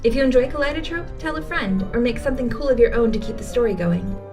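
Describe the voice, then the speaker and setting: A woman announcer with a fairly high voice delivers scripted podcast credits. She sounds slightly distant from the microphone, and music plays clearly behind her. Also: animated, fast talker.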